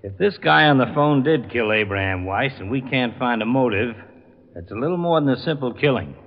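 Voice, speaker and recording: An actor playing an earnest police lieutenant in an old radio drama, plain-spoken and matter-of-fact. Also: male voice, mid-range voice, expressive, brisk, a little hiss or hum, lightly acted. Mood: grim, matter-of-fact. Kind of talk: 1950s radio drama acting. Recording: muffled old radio recording.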